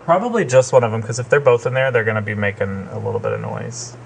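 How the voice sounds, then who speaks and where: Gravelly-voiced man with a cold. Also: mid-range voice, wildly swooping pitch, quick pace, slight background noise. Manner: hesitant, rambling, many ums. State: sick with a cold, sore throat. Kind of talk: casual chat. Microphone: remote call.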